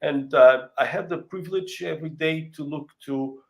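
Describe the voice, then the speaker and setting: A real estate company's country head, whose first language is Portuguese, speaks in a fairly high, gravelly voice with a Portuguese accent. During the casual video-call interview, his speech is halting, with frequent pauses to search for words, fillers and restarts.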